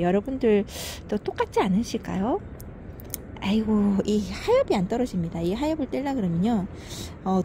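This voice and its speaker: A woman with a mellow, medium-pitched voice films the garden on her home veranda, chatting fondly about each plant and letting out little sighs. She's a succulent gardening vlogger giving casual narration as she films, with slight background noise behind her.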